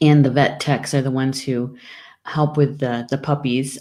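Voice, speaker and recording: In a very deep, low pitch, a woman speaks with a dark, mellow tone. Her intonation is monotone and flat, her pace moderate. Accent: American. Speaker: spiritual live stream host. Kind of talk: casual live stream chat. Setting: live stream. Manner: hesitant, many fillers.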